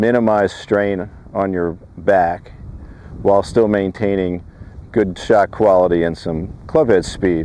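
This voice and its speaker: With ordinary pitch variation, a man talks in a fairly low voice. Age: 60s. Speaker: golf instructor. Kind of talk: golf instruction to camera.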